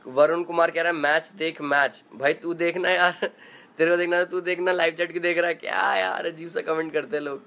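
Young guy on a phone live stream at home, chatty and playful, voice a bit higher than most men, reading out comments. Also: steady tone, fairly quick, pushed and bright. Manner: chatty, playful, greets viewers by name. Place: home room.

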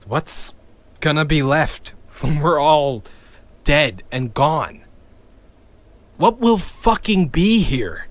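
A man's voice: a little high, a bit bright, heavily acted. An actor playing a bitter young male activist in an audio drama, sardonic and swearing, with wry laughs between his lines. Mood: despairing.

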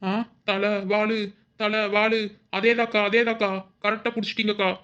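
A woman's voice: medium pitch, level tone, normal speed, a bit bright, clean tone, highs cut off, lightly acted. A woman voicing a flustered young village woman in a cartoon, who wails and repeats herself frantically. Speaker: cartoon character.

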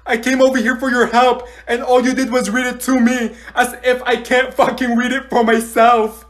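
Woman playing a sassy, grumpy high school girl. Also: flat delivery, normal speed, close to an everyday voice. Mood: annoyed, indignant. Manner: sassy, complaining, blunt. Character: grumpy, foul-mouthed, mouthy female high school student. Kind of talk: comedy classroom skit.

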